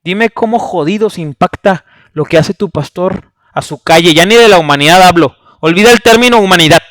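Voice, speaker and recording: Blunt man, high voice. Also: a little fast, fairly bright tone, no echo. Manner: blunt, scornful, swears, repeats rhetorical "¿sí?". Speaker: channel host. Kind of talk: preachy critical monologue.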